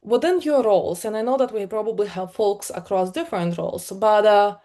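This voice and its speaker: A middle-aged woman with a Ukrainian accent speaks to an online meetup in a talk on product work. Her voice sits at an ordinary pitch, and she keeps a conversational, energetic flow with frequent ums and uhs. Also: brisk. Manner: many fillers, energetic and conversational. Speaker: conference speaker, product leader.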